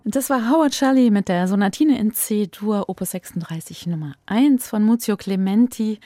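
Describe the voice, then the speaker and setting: A woman hosting a radio interview, asking clear, direct questions in a measured way. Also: medium pitch, mellow, soft background music. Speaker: radio host. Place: radio studio.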